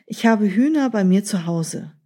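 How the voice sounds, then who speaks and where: A woman voicing a deceitful grown man in a children's story, speaking calmly and slowly in her own soft, husky voice. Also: medium pitch. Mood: scheming.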